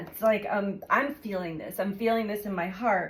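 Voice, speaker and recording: Noticeable background noise fills the clip. Through it, a woman speaks at a moderate tempo. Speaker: tarot reader and life coach. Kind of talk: tarot card reading. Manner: speaking quietly; hesitant, many fillers.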